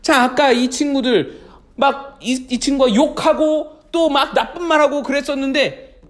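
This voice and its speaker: A man's voice: very high-pitched, a little slow. A man who is a children's pastor gives a sermon, talking straight to the kids and asking them questions. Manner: animated, speaks directly to children with questions.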